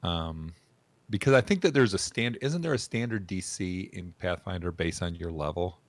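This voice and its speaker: Deep-voiced man running a tabletop game. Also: normal speed, no room sound. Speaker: game master. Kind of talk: casual tabletop game session.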